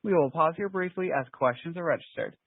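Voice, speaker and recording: A man's voice: a little high, fairly quick, dry recording. A man working as a conference call operator, giving scripted announcements over the phone. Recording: thin, dry phone-line audio.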